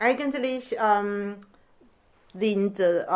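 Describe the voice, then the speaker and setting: This woman talks at a very slow pace with a medium pitch. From Taiwan. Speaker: master's student. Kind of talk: interview. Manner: halting, many fillers.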